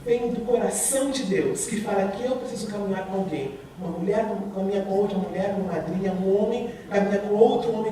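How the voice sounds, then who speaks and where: A woman giving an earnest testimony sermon in a church, speaking with emphasis and addressing the congregation warmly. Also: medium pitch. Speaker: speaker at a church recovery program. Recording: very echoey hall, from far off.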